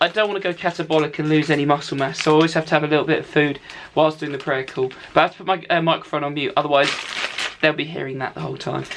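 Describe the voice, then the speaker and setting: Someone with a British accent speaks at a very fast pace against noticeable background noise. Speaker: fitness and nutrition coach vlogger. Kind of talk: casual vlog. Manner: animated.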